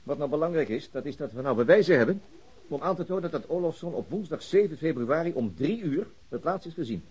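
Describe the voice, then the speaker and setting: Husky, methodical male detective. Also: fairly high pitch, lively intonation, brisk, a little mellow. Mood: methodical, persistent. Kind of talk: Dutch radio drama dialogue.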